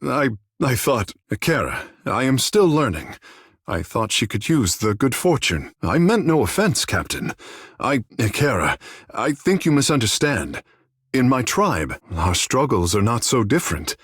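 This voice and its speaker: Proud young tribal chosen one, game character, husky, very animated melody, lyrical and earnest, close dry recording. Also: male voice, mid-range voice, a little slow, no echo, exaggerated voice. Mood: earnest, apologetic. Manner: formal, lyrical, theatrical phrasing. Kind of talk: video game character dialogue.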